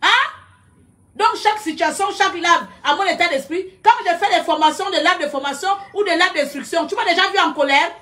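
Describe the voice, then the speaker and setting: A woman giving a loud, combative live-stream rant, shouting back at her viewers. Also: very high-pitched, brisk. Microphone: computer webcam.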